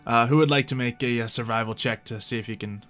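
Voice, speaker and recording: A man's voice: medium pitch, fairly even intonation, fast talker, fairly bright tone, faint music behind. A man narrating a casual tabletop roleplay as game master, chuckling and joking with his players.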